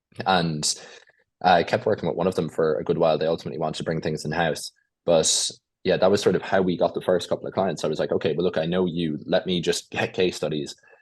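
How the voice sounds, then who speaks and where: Talking very fast with an Irish accent, a man is heard over a quiet background. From southeast Ireland. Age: 20s. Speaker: marketing agency owner. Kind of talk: podcast interview.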